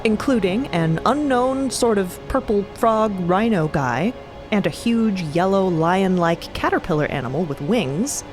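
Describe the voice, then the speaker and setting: A woman's voice: mid-range voice, expressive, a little slow, music in the background. A woman co-narrating a fantasy audio drama in a dramatic, scripted style.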